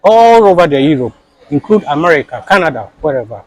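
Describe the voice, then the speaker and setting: A man's voice: fairly high pitch, very animated, fairly quick, slight background noise, low-quality recording. A man being interviewed, speaking in an impassioned, insistent way and repeating his points for emphasis.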